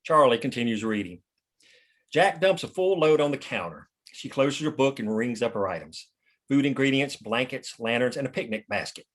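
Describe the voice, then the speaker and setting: A man's voice: mid-range voice, animated, normal speed. A man reading stage directions as scripted narration at a table read, in a plain, matter-of-fact manner.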